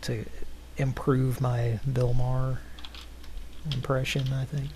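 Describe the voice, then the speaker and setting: A man hosting a prank-call show, joking and rambling through casual chat. He talks slowly and often laughs at his own bits. A faint hiss sits under his voice. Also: mid-range voice, flat delivery, a little mellow. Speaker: host.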